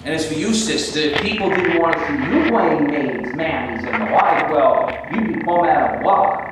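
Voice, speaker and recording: A man's voice: on the high side, moderate pace, close to an everyday voice. A man playing a curt, dismissive white actor. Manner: curt, condescending. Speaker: actor in a staged reading. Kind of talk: staged play reading. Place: stage before a live audience. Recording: very echoey room, faint noise.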